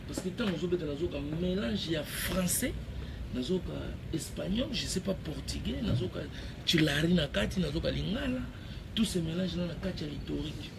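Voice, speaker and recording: Lively male host, high voice, noisy recording. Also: gravelly. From Congo. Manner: animated, emphatic, laughing. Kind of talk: casual chat mixing French and Lingala. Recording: loud background noise.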